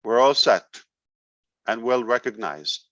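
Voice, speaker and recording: A man's voice: medium pitch, expressive, takes it slowly, bright, forceful tone, no room sound. A man leading a company, addressing members in a blunt, emphatic motivational talk. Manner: blunt, emphatic, sarcastic at times. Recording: dull, dry recording.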